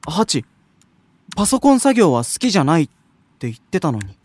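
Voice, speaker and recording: Kind shy idol boy, soft n polite but really expressive, anime audio drama. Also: fairly high pitch, a little fast, slightly rough, no room sound. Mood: surprised. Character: modest, sensitive, considerate young male station idol.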